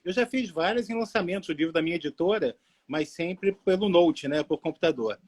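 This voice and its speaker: A man from Rio with a Carioca accent, an author talking about his books in a casual livestream interview, friendly and relaxed. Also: on the high side, brisk. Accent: Carioca Brazilian Portuguese. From Rio de Janeiro, Brazil. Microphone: phone livestream.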